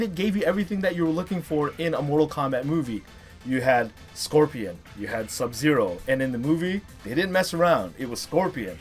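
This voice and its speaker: Male video host, 30s, slightly high voice, emphatic and chatty review delivery, music underneath. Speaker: host of a top three video series.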